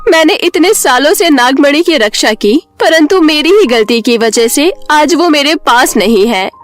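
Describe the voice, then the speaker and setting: A woman's voice: sits high, animated, unhurried, voice pushed up. A woman voicing an anguished, devout serpent-woman mother in a storybook tale, pleading and sorrowful. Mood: grieving, shocked.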